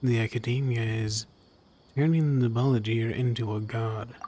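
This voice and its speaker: A man's voice: mid-range voice, steady tone, normal speed, warm tone, slight background noise. A man playing a video game, reading the dialogue choices aloud. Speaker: game player.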